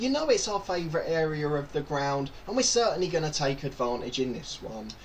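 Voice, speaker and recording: A man with an English accent talks in very wide pitch swings against noticeable background noise. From England. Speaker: gaming commentator. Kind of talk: gameplay commentary. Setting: hot room, recording at home. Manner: fast.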